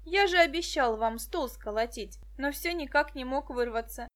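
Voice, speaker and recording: A cheerful, friendly grown man who talks in a hearty, jovial way, as a woman reader puts him on. He speaks in a high, light register, a grown man read by a woman in an audiobook. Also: moderate pace, close to an everyday voice. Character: middle-aged male journalist, cheerful and friendly.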